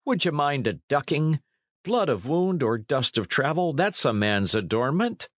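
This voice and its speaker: A man's voice: on the high side, sing-song, measured pace, no echo, studio quality, pitched above the performer's own voice. A man voicing a blunt, kindly young adventurer in a storybook, with hearty archaic speech. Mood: indignant, teasing. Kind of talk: storybook character reading.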